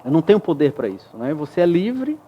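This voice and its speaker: A man's voice: on the high side, very animated, fast talker, dull audio, a little hiss or hum. A man as a studio interview guest, explaining ideas patiently with examples and frequent tag questions. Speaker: guest expert.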